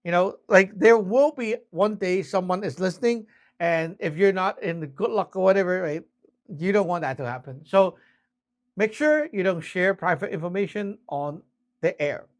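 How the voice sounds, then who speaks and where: A man with a notably high-pitched voice works as an instructor. He explains things step by step in a casual spoken style, often checking in with short tag questions. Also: expressive, normal speed. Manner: conversational, frequent check-ins, spells things out step by step. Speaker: instructor teaching radio communication basics. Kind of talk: casual spoken lesson with acted-out example exchanges.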